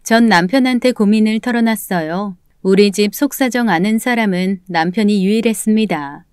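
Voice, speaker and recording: A woman's voice: mid-range voice, moderate pace, darkish tone, smooth, no echo, clean studio sound. A woman narrating a scripted family drama in first person, with emotional, indignant delivery. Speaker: narrator and lead voice actor. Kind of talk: scripted story narration with acted dialogue.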